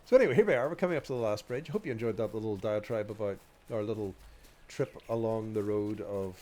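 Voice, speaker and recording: A man's voice: on the low side, fast talker, mellow. A man with a stuffy, nasal voice from a cold, rambling hesitantly as he hosts a walk-along video, with many ums and restarts. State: stuffy nose from a cold, coughing. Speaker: video host.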